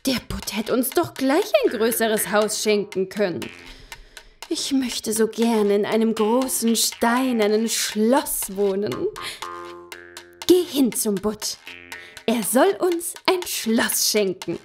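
A woman's voice: takes it slowly, a little mellow, soft background music. A woman playing a whiny, greedy fisherman's wife. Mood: coaxing. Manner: whiny, coaxing, high and sing-song. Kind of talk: radio play acting.

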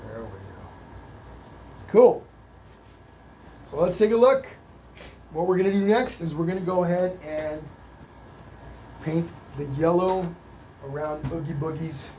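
A man's voice: fairly high pitch, noisy background. A man with a slight cold leading a live painting lesson indoors, reading out viewer comments and encouraging them. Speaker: painting instructor. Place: indoor art studio.

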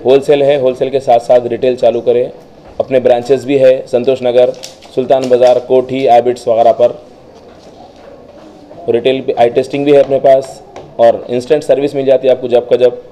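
A man's voice: mid-range voice, little pitch movement, normal speed, warm tone, slight background noise, low-quality recording. Man speaking into press mics. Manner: promotional, listing services and phone numbers. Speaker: optical shop owner. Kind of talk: press statement. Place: crowded shop indoors. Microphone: cluster of press microphones on table.

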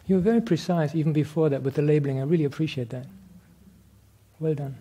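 A man's voice: on the high side, fast, warm tone, husky. A man, a meditation teacher answering audience questions, explaining earnestly and laughing often. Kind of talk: lecture Q&A. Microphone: handheld microphone passed around the room.

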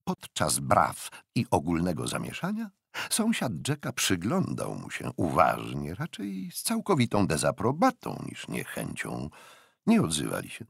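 An older man narrating a historical novel as an audiobook, with expressive, deliberate phrasing and dramatic pauses. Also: low-pitched, gravelly, husky, no echo, clean studio sound.

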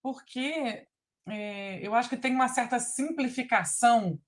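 Brazilian woman author on a laptop call from home, thoughtful, keeps restarting sentences, lots of ums. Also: fairly high pitch. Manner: thoughtful, halting, many fillers and restarts. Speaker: biographer guest. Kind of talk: recorded video call conversation. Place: home living room with lamp. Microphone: laptop webcam video call.

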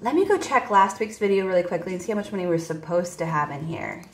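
A woman's voice: lowish voice, animated, quick pace. Chatty woman vlogging her budget, echoey room. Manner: chatty, addresses viewers directly, counts cash aloud. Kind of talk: casual tabletop budgeting vlog. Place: indoors at a table. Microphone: voice heard over top-down table camera, hands only.

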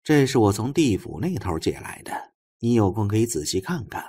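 An earnest, knowledgeable female investigator in an audiobook, read by a man with a husky voice. The delivery is explanatory and emphatic, with animated intonation. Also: fairly low pitch, normal speed, exaggerated voice.

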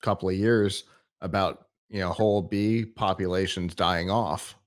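Man, host, somewhat low voice, relaxed, conversational, restarts, studio mic. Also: a little slow. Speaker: tech show host. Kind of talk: interviewing a guest. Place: studio with a screen behind.

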